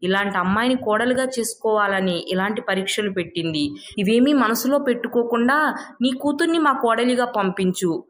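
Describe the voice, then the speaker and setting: A woman's voice: a little high, lively intonation, moderate pace, lightly acted. Woman voicing a wealthy, judging village elder. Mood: conciliatory. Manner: declarative, judging. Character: stern wealthy village father-in-law testing families.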